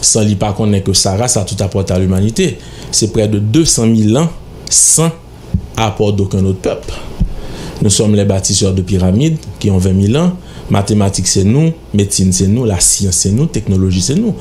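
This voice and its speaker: A fairly low, dark-toned voice belongs to a middle-aged man with a Haitian accent, interviewed as a guest in a radio studio. He talks at normal speed, emphatic and lecturing in an insistent way, into a stand-mounted studio mic, with a bit of hiss or hum.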